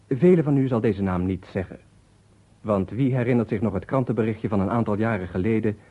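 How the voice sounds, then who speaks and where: A factual radio announcer in a radio play. He reads in a measured, fluent and formal way, with a lowish pitch. The recording is thin and phone-like, like an old broadcast. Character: sober, factual male radio presenter of a documentary report. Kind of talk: scripted radio narration in a radio play.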